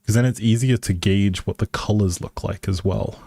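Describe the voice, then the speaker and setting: A man with a fairly low, warm voice and fairly even intonation chats at a moderate pace on his stream. As he plays a building game, the live streamer thinks through small choices aloud and responds to those watching.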